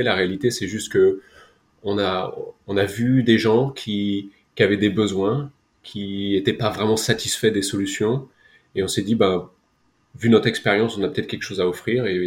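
Man, middle-aged, French accent, deep voice, casual interview talk, hesitant, repeats words. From France. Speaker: interview guest, tech company co-founder.

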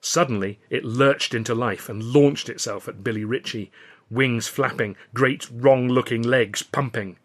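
A man's voice: medium pitch, measured pace. A man reading scripted first-person audiobook narration of a novel. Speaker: author reading own novel.

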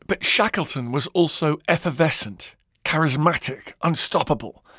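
A man's voice: on the high side, normal speed, fairly bright tone, slightly rough, no echo, studio quality. Dramatic male documentary narrator. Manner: dramatic storytelling, varied emphasis. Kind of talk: scripted historical narration.

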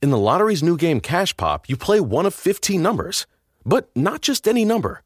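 A man's voice: high-pitched, sing-song, normal speed, no room sound. A man reading an upbeat, playful radio commercial on a close studio mic. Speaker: advertising voice-over.

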